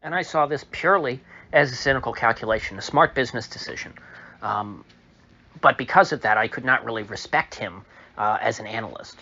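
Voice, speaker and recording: A man who is ill, voice a little off, giving a halting, opinionated political commentary monologue full of fillers, recorded in a room. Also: mid-range voice, pushed and bright, dull audio. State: sick, slightly off voice. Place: indoor room.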